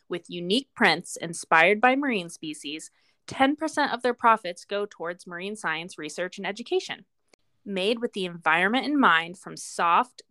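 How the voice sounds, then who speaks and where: A woman's voice: on the low side, pushed and bright, no room sound. A woman co-hosting a podcast, speaking in an informal, chatty way. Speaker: podcast co-host. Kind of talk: casual chat and read sponsor spots.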